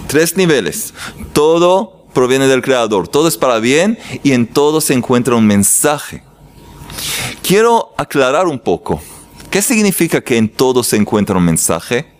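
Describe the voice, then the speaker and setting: A man teaching a religious lesson, mixing jokes into an animated talk and lifting his voice when acting out prayers. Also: measured pace. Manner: animated, swoops in pitch when quoting prayers. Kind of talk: lively faith lesson with jokes.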